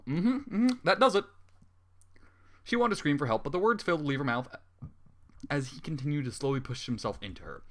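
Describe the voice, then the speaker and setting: A man's voice: fairly high pitch, lively intonation, brisk, long pauses, fairly bright tone. A man reading a story aloud while breaking off into exasperated, sarcastic commentary and frequent swearing. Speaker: story reader. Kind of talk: dramatic reading with angry commentary.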